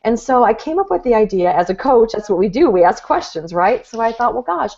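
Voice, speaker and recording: A woman relationship coach giving a gentle, earnest teaching talk with examples. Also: a little high, very animated, brisk. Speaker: guest expert, relationship coach. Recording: dull lo-fi audio.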